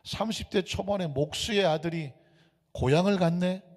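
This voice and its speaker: A male pastor preaching a sermon, animated and joking, slipping into regional dialects now and then. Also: high voice, normal speed. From Gyeonggi Province, raised in Seoul. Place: church sanctuary. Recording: echoey church hall.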